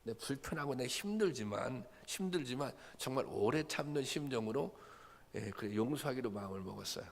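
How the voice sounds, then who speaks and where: Earnest preaching man, gravelly voice. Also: medium pitch, expressive, moderate pace. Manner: earnest, repetitive preaching that rises to emphatic peaks. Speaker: pastor. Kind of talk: sermon at a dawn prayer service. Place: church sanctuary. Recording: long hall reverb.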